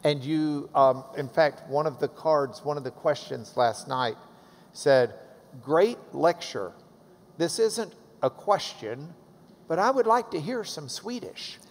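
A man's voice: fairly high pitch, expressive. Joking middle-aged male interview host. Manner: jovial, quick with jokes. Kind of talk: conversational interview. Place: church stage, large hall. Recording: reverberant hall, faint noise.

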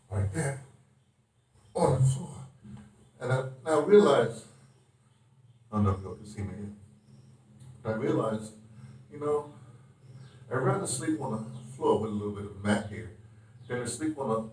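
A man's voice: mid-range voice, a little mellow, distant mic, slight background noise. An older man giving a casual, rambling health update to his camera in a small bedroom, often restarting his sentences. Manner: rambling, with many restarts and fillers. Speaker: vlogger. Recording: roomy echo, voice from off the mic.

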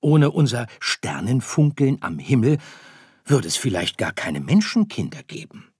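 Male reader as a gentle father star, slow, explaining, storybook audiobook. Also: medium pitch, husky, dry recording, studio quality, voice pushed up. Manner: calm, explaining. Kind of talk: audiobook character voice.

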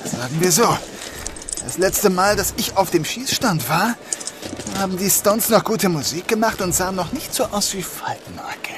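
An actor playing a cool, commanding police detective in a crime radio play, with a dry, wry manner. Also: male voice, sits high, animated, normal speed, background noise. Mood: dry, terse.

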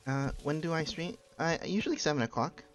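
A man's voice: fairly high pitch, lively intonation, a little fast. A man giving casual livestream commentary as he plays a game, muttering short reactions. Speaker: livestreamer playing a horror game. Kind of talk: casual gaming stream commentary. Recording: music behind the voice.

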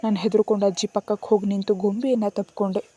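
A woman's voice: medium pitch, little pitch movement, fast talker, warm tone, slightly rough. A woman narrating a first-person story in an emotive storytelling manner.

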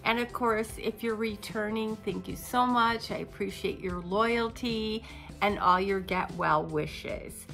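An older woman in her sixties talks to the camera from her living room, her voice a bit nasal from a cold. She rambles at an unhurried pace with plenty of ums. Soft music sits faintly behind her. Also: medium pitch, vocal fry. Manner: chatty, rambling with fillers, seated talking to camera. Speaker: unboxing vlogger. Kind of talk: casual chatty unboxing. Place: living room at home, indoors.

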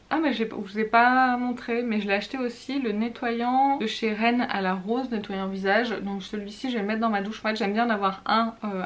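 Chatty woman vlogger, hesitant. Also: medium pitch. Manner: chatty, hesitant, reads product labels aloud. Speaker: beauty vlogger. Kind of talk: casual product haul.

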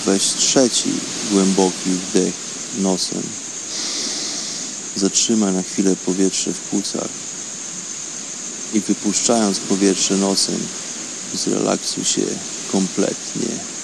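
A man guides a meditation in a low, creaky voice. He speaks very slowly and evenly, over clearly audible background noise. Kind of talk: slow guided relaxation. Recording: clear steady background hiss.

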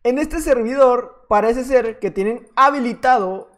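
A man's voice: very high voice, measured pace, slight background noise. A man with a Mexican accent giving playful, teasing gameplay commentary as a gaming YouTuber. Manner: playful, teasing, jokey banter.

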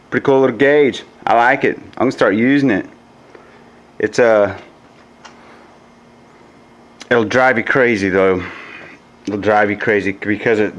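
A man's voice: sits low, lo-fi sound. A man casually demonstrating a vacuum gauge at a workshop table, rambling a bit and correcting himself as he goes. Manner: relaxed, rambling, with fillers and self-corrections. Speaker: HVAC technician reviewing a gauge. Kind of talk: casual hands-on product demo.

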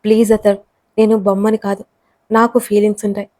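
Woman narrator playing a quick-tempered young woman, scolding. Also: mid-range voice, little pitch movement, no room sound, lightly acted. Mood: hurt. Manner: sharp and scolding.

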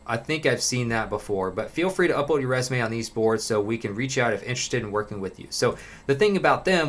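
A man's voice: medium pitch, fairly bright tone. A young man casually talking through job listings on a screen share, listing details with frequent fillers. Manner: conversational, lists details, many fillers. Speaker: online jobs video host.

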